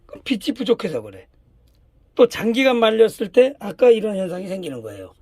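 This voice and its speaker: A man's voice: high-pitched, wildly swooping pitch, fairly quick, darkish tone, husky, dry recording. A man giving a casual hands-on demonstration of plant care, emphatic and repeating key words, slipping into plain informal speech. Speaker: plant grower explaining care.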